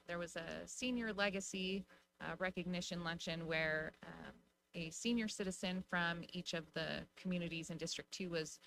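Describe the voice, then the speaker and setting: An American woman speaking as mayor, giving reports and running a council meeting. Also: on the low side. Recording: clear background noise, electrical hum.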